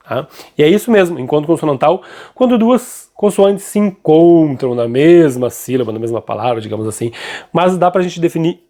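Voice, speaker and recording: A man teaching a grammar lesson, keeps checking in with his students and slows down to stress key points. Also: a little high, mellow. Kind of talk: classroom-style grammar lesson.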